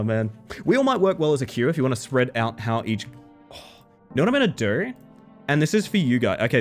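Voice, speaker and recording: Man, hoarse today, casual live-stream chat, joking, pitch bouncing around. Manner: animated, joking, talks to chat. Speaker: streamer playing a game.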